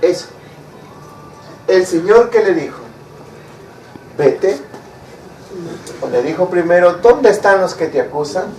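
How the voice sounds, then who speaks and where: A man with a high voice preaches slowly, stopping often to ask his listeners rhetorical questions. He is recorded from far off, in a room with a strong echo and faint ambient noise. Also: expressive, darkish tone. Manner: asks the congregation rhetorical questions. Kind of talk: sermon. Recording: echoey room, mic far off.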